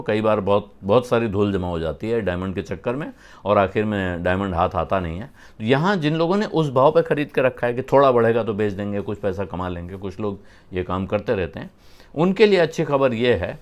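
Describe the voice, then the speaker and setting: Man explaining business news with pauses. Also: medium pitch. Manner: conversational, explains terms with frequent "uh" pauses.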